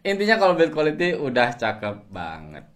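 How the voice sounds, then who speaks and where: A man's voice: fairly high pitch, huge pitch swings, normal speed, noisy background. A man giving a casual product review, explaining things colloquially and straight to the viewer. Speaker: host, gadget reviewer.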